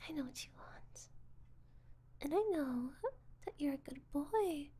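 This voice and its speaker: In a whispered audio roleplay, a woman with a high-pitched voice plays a possessive, controlling character who calls herself Mommy. She speaks slowly in a soft, breathy whisper, coaxing the listener while sounding condescending and teasing.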